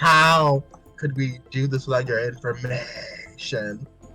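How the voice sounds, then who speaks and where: Using a put-on character voice, a man speaks breathily at a medium pitch and fairly slow pace with fairly even intonation, music playing in the background. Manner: gasping for breath at odd points mid-sentence.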